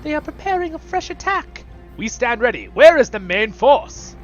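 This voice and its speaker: A man voicing a spirited elf bard in a fantasy game, with a theatrical, excitable manner. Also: very high-pitched, moderate pace, lo-fi sound, faint music behind, pitched above the performer's own voice. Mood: rallying. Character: spirited male fantasy elf bard, eager battle comrade. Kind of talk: acted fantasy game role-play.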